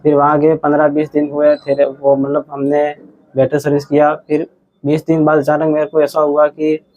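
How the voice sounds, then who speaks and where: A man in his twenties telling his own story as a patient in an interview. He talks in a halting, rambling way and often restarts his sentences. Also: fairly high pitch, completely flat delivery, a little mellow, muffled recording. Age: 20s. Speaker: patient giving a testimonial.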